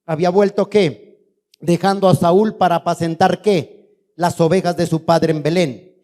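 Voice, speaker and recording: A man's voice: high voice, steady tone, a little slow, warm tone. A man, a pastor, preaching a fiery sermon in church and quizzing the congregation with questions. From Colombia.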